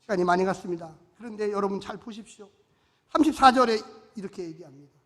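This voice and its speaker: A male pastor preaching a sermon in a church, telling a story with lively swings between loud outbursts and hushed asides. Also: high-pitched, fast talker, big-room sound. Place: church sanctuary.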